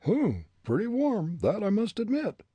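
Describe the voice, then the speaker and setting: A man playing a defiant young prisoner, pitched high. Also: sing-song, unhurried, dark tone, slightly rough, no room sound, exaggerated voice. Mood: wry. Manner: proud, scornful.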